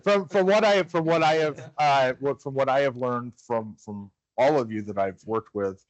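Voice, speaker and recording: A man's voice: mid-range voice, moderate pace, no echo, highs cut off. A man moderating a business panel at a live event, framing questions with repeated words and restarts. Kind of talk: panel discussion. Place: event room with live audience.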